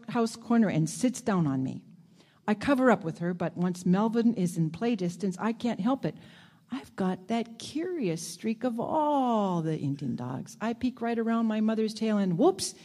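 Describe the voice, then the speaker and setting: A clever old male dog tells his tale with proud, dry wit, as a woman reads him aloud in her own voice. The pitch sits in an ordinary middle range, and the delivery stays plain and unhurried. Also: warm tone. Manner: plain reading voice, unhurried storytelling. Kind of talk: reading a first-person story aloud.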